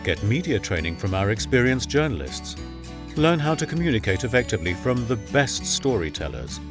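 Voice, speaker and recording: A man's voice: medium pitch, big pitch swings, a little fast, music in the background. A man reading polished scripted narration for documentary and promotional films. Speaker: voice-over artist.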